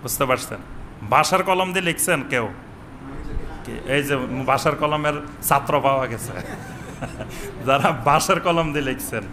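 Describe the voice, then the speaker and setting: A man preaching a sermon in a mosque, chanting Arabic phrases slowly and questioning his listeners. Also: medium pitch, background noise. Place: mosque with upper floor and veranda.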